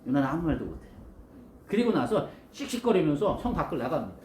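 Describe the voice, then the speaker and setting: A male pastor giving a storytelling sermon to children, animated and asking his listeners questions. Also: fairly high pitch, quick pace, echoey room, a little hiss or hum.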